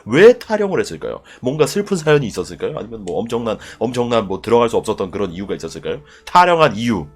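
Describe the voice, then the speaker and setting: A young man casually telling a live chat a story from his army days, profane and animated, acting out voices with loud bursts. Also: medium pitch, quick pace, hardly any pauses. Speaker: streamer telling army stories.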